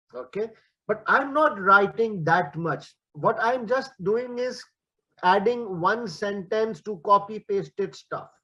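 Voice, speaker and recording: A raised, projected voice with a bright, sharp tone moves along at a very slow pace. The intonation is lively. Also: man, high pitch for a man. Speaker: accountancy exam tutor. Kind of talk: online webinar lecture. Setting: online webinar.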